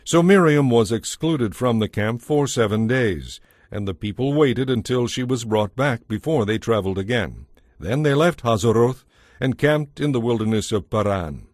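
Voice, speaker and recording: A man narrating a dramatized audio Bible with measured, solemn scripted delivery. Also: mid-range voice, animated, darkish tone, no echo, studio quality.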